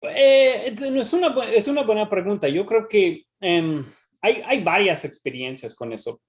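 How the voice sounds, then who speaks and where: Man speaking careful, halting Spanish. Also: sits high, lively intonation. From United States. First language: English. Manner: halting, frequent restarts and repeated words. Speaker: researcher presenting. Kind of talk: academic talk and Q&A.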